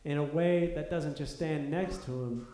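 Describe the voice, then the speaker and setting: A man's voice: a little high, unhurried, mellow. A man preaching a sermon, earnest and building to emphatic peaks with repeated phrases, in a church sanctuary. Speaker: pastor. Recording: echoey room.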